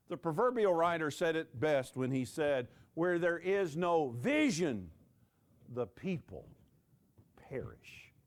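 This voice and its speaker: A preacher in his sixties delivers a sermon in a high, animated voice that swings widely in pitch. He speaks slowly and deliberately, letting his voice sink on key words. He stops now and then to joke with the congregation. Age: 60s. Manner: dramatic pauses, voice dropping low on key words; jokes with the audience.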